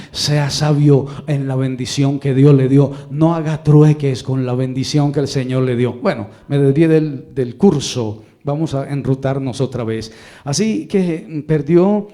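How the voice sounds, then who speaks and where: A man's voice: mid-range voice, fairly even intonation, a little slow, warm tone. A man with a Colombian accent preaching a sermon as pastor, rambling and emphatic, repeating phrases for emphasis.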